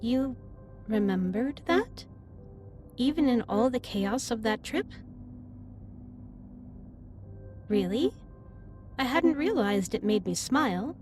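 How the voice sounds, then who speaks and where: Gentle, high-voiced alien captain played by a woman. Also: lively intonation, measured pace, soft background music. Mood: surprised, touched. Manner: formal, precise, slightly stilted wording. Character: gentle, earnest female alien starship captain. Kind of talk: scripted roleplay audio, addressed to the listener.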